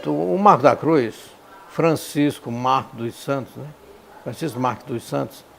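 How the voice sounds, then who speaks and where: A man's voice: medium pitch, measured pace, gravelly, fairly bright tone, a little hiss or hum. A man, reminiscing spontaneously in an interview. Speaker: interviewee giving a tribute.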